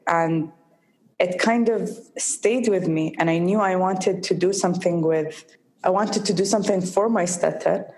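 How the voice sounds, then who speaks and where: A young woman from the United Arab Emirates, a guest in an interview, speaking slowly and with a mild stutter and pauses. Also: fairly low pitch, a little mellow. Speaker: guest, social entrepreneur. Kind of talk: interview conversation.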